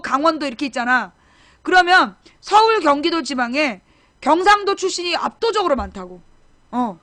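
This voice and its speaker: High, bright-voiced woman rambling to viewers. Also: no echo, clean studio sound. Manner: rambling, self-correcting, talks directly to viewers. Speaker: political talk show host. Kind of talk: casual live-stream political commentary.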